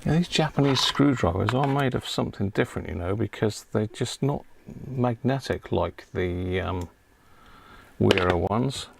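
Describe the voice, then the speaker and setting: Male repair streamer, heavy vocal fry, muttered running commentary while working, noisy recording with clicks. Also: fairly low pitch, lively intonation, measured pace. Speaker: host of a live radio repair stream. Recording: clear background noise with clicks.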